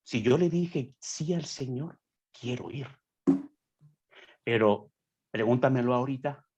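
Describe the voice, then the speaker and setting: A man's voice: medium pitch, expressive, slow pace, a little mellow, breathy edge, highs cut off. A young man speaking as a guest on a podcast, preaching earnestly and acting out quoted voices as he explains a point.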